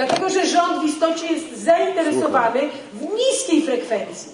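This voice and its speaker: A woman's voice comes through audible room echo and noticeable background noise. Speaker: politician addressing public meeting. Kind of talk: political speech. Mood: critical, combative. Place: hall. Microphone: podium.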